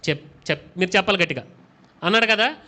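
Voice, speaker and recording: A man preaches from the pulpit in a high, bright voice. He keeps demanding answers from the congregation and slips English phrases into the sermon. His tone is forceful and insistent. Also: fast talker. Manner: preaching, firing questions at the congregation and urging them to answer aloud. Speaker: pastor.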